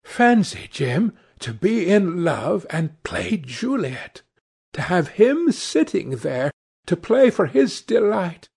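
A man's voice: high-pitched, big pitch swings, slow pace, creaky, darkish tone, breathy edge, pitched above the performer's own voice, heavily acted. A man reading aloud, voicing an eager, dreamy young woman in love with a breathless, gushing manner. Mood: rapturous.

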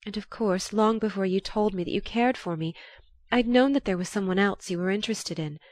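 A woman voicing a composed, dignified young society woman who speaks softly and earnestly. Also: medium pitch, brisk, dry recording, studio quality, voice pushed up, close to an everyday voice.

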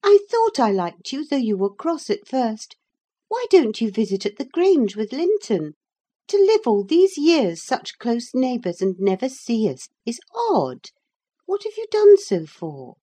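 A woman doing an eager, excited teenage girl. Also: a little high, unhurried, slightly rough, voice pushed up, heavily acted. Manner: excited, pleading. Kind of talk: audiobook character voice.

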